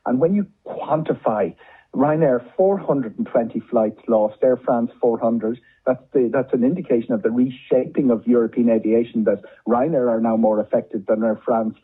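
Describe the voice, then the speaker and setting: Talking at normal speed in a slightly rough, medium-pitched voice, this Irish man is a travel journalist guest who wanders conversationally through his commentary, frequently repeating words to stress them. The audio sounds like a phone.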